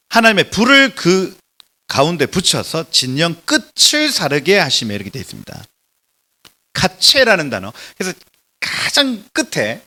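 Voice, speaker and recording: A man preaching a lecture-style sermon in a church, emphatic and animated, swinging between loud exclamations and soft drops. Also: fairly high pitch. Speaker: pastor giving a Bible lecture.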